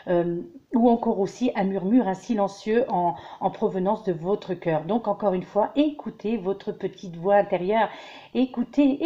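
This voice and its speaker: A woman from France with a medium-pitched voice gives weekly tarot guidance in a casual spiritual monologue to viewers, set to mellow lo-fi. She speaks haltingly and hesitantly, with many fillers and repeated restarts, and warmly calls her listeners dear friends.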